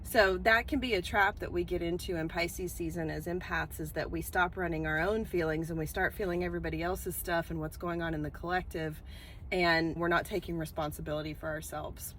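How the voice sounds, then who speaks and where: A woman with a head cold and a slightly nasal voice, chatting casually about spiritual topics from inside a car, rambling gently with frequent ums. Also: fairly low pitch, brisk. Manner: relaxed, rambling, with frequent ums and soft trailing phrases. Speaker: spiritual teacher hosting her channel. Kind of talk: casual spiritual talk to camera. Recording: loud car and street noise behind.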